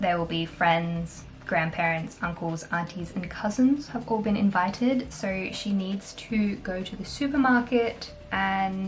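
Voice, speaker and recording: A woman with a strong Australian accent speaks at a fairly slow pace, her medium pitch showing ordinary variation over noticeable background noise. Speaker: YouTuber. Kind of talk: casual vlog talk after reading aloud. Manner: casual, chatty.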